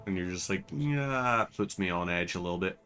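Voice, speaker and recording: A man's voice: sits low, animated, moderate pace, sharp tone, smooth, soft background music. An Irish man giving casual, rambling commentary while playing a game, with lots of fillers. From Ireland. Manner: rambling, chatty, many fillers. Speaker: gaming channel host.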